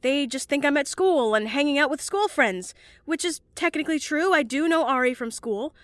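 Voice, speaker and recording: High-voiced, earnest, anxious young student. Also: female voice, lively intonation, a bit bright, no room sound. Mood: anxious, rambling. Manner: halting, stammering, earnest. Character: anxious, guilt-ridden, well-meaning female student. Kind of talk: audio drama acting, emotional monologue and dialogue.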